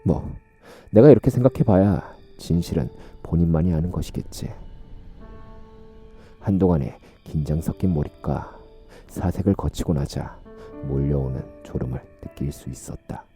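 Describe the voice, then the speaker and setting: A man narrating a horror radio story in a slow, musing, hushed way. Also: extremely low pitch, soft background music.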